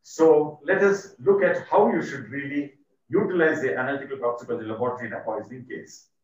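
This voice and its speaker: A man with an Indian accent gives a formal, measured medical lecture, his voice muffled by the face mask he is speaking through. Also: medium pitch. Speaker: toxicology lecturer, poison centre doctor. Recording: muffled, very echoey, distant microphone.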